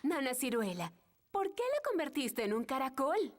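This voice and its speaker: A woman voicing a calm, reasonable fairy queen mother in a Latin American Spanish children's cartoon dub. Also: high-pitched, moderate pace. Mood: mildly reproving.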